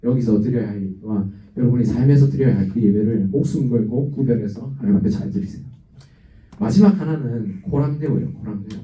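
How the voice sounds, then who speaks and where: A man with a Gyeongsang accent preaching an animated, exhorting youth revival sermon in a church sanctuary. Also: medium pitch, brisk. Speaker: guest preacher. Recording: roomy, dull, distant church recording.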